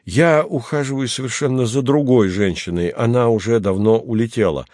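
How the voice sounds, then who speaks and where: A man's voice: mid-range voice, normal speed, a little mellow, no room sound, studio quality, voice pushed up, close to an everyday voice. A man reading the part of a famous, playful starship pilot who is teasing and easily offended, in an audiobook. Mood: capricious. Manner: whimsical, teasing, lightly offended.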